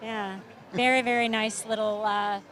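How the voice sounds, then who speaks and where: Chatty high-voiced woman commentating a parade. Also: flat delivery, a little slow, a bit bright, a little hiss or hum. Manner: chatty, enthusiastic, loses her place. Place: outdoors at a street parade.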